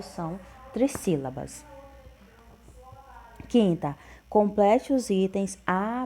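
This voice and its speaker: A woman teacher with a fairly low, mellow voice patiently corrects workbook exercises, going through the answers and repeating each one.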